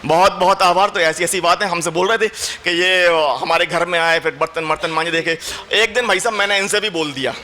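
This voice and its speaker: A man's voice: high-pitched, brisk. A man on stage telling comic anecdotes and reciting poetry, acting out the voices in his stories. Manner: animated, acts out voices in anecdotes. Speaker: stage poet. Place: stage at an indoor event hall.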